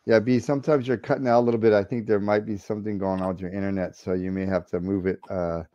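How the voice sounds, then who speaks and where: A man's voice: on the low side, fairly even intonation, fast, mellow. Rambling male podcast host, dull sound. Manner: rambling, restarts questions. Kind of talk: casual interview.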